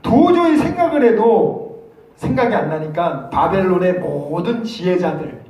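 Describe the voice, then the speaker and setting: A man's voice: sits high, lively intonation, a little slow, darkish tone, far from the mic. A man preaching a sermon in a church. He speaks emphatically and with lots of animation, and he acts out the people in his story. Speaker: pastor. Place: church hall. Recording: echoey church hall, voice from afar.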